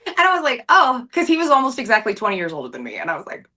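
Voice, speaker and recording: A woman's voice: on the high side, huge pitch swings, rapid-fire, sharp tone. A woman in her thirties co-hosting a casual talk show, opinionated and ranting, laughing easily. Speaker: podcast co-host. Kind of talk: casual chat.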